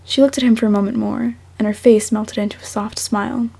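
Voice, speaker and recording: Young female amateur fiction reader. Husky, creaky, soft-spoken, unhurried. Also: on the high side, fairly even intonation. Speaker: fan fiction author and podfic reader. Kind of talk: audiobook-style story narration, then casual self-conscious chat.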